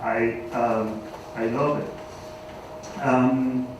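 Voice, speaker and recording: A man's voice: mid-range voice, steady tone, extremely slow. Venezuelan man speaking in an echoey hall. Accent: Venezuelan Spanish. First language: Spanish. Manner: self-deprecating, hesitant, chuckling asides. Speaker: conference panelist. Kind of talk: conference remarks. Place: large conference hall. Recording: echoey hall, speaker far from mic, background noise.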